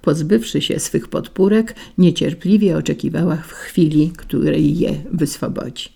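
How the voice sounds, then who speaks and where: A woman narrates a storybook tale with measured, expressive pacing. Her voice is dark and mellow, with a gravelly, husky texture. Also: low-pitched. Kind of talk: storybook reading.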